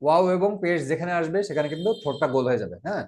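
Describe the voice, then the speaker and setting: A man's voice: on the high side, animated, a little mellow. A man teaching Quran recitation to learners, reciting verses and patiently spelling out letters and vowel sounds one by one. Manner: patient, repeats letters and syllables slowly for learners. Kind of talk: tajweed lesson, reciting and explaining pronunciation.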